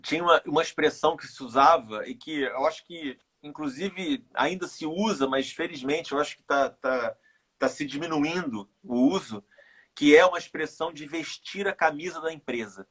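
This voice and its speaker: In a casual live interview, a runner and author from Rio de Janeiro, Brazil, talks as a guest with a Carioca Brazilian Portuguese accent. His husky voice is a little high and a bit bright. He comes across as reflective, pausing and repeating words as he thinks.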